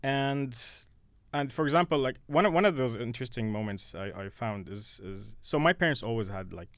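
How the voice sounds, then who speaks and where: A young man who was raised in the United Arab Emirates tells stories in a casual, halting chat, repeating words as he thinks. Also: medium pitch, lively intonation, fairly bright tone, no room sound.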